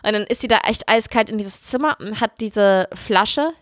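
A woman telling a story in casual chat, animated and dramatic, jumping up into squeals when she relives the fright. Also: mid-range voice, moderate pace, no echo, clean studio sound.

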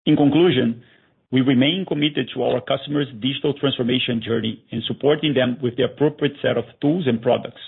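A man with a gravelly, husky voice formally reading a scripted earnings presentation as a finance executive over a narrow conference phone line. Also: medium pitch, steady tone, a little fast. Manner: formal, reading from prepared remarks.

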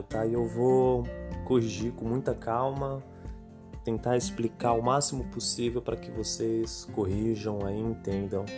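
A man with a Brazilian Portuguese accent, a language teacher and podcast host, going over a quiz in a casual, patient lesson and often tagging his sentences with little check-in words. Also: mid-range voice. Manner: chatty and patient, leans on filler tags like "né" and "tá".

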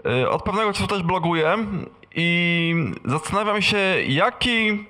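A man's voice: sits high, expressive, a little slow, sharp tone. A man in an audience asking a spontaneous question, hesitant as he searches for words. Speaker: audience member asking a question, beginner blogger. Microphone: handheld event microphone.

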